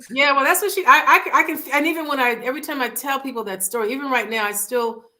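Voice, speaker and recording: A woman talks at a very fast pace in a high, raised, projected voice. Her intonation is lively. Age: 60s. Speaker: physician and author. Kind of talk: interview. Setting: video call.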